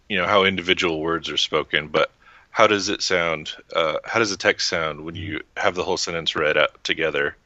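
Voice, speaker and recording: A man's voice: deep voice, sharp tone, no room sound. A man from Texas, a guest in an interview, talking in a hesitant, casual way with many fillers. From Texas, USA. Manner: hesitant, many "um" and restarts, laughs lightly. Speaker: guest, website founder. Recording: dull lo-fi dry sound.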